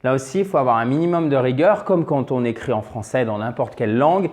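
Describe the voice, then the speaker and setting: A man's voice: medium pitch, fast talker, a little mellow. A man teaching English grammar in a video lesson, encouraging and repetitive, with frequent fillers. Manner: encouraging, repeats key points, many fillers.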